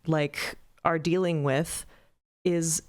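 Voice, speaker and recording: A woman's voice: deep voice, fairly even intonation, takes it slowly. A woman on a podcast panel, speaking earnestly and encouragingly in a casual roundtable discussion.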